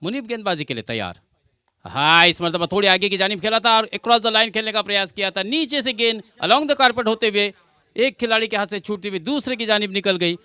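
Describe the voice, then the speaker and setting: A man's voice: high-pitched, animated, brisk, pushed and bright, clean tone, no echo. A man giving live cricket commentary, explaining the play and addressing viewers as friends.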